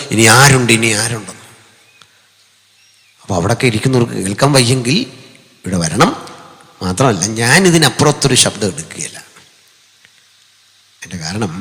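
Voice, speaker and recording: Pastor guy preaching, chatty then shouting, bright voice, long hall echo. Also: mid-range voice. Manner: conversational preaching with joking asides, rising to loud emphatic shouts. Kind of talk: sermon. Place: large hall with amplifier.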